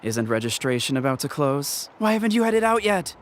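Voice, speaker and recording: A man voicing a protective, plain-spoken tribal chief in a video game, middle-aged, measured, guarded and authoritative. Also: on the high side, big pitch swings, slight background noise. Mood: respectful, calm. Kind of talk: video game character dialogue. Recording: loud game music behind the voice. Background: game music.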